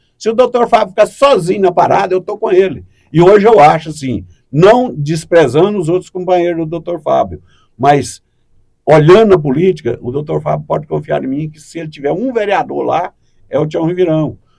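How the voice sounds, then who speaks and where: Here a man speaks in a high voice with a dark, mellow tone and lively intonation. His loudness swings widely at a moderate pace. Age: 70s. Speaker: former city councillor and rancher. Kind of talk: interview.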